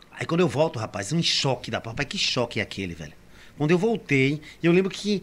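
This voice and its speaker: A man's fairly high voice with vocal fry, a fairly quick pace and very wide pitch swings. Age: young. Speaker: entrepreneur. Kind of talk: casual interview. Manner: halting, repeats words.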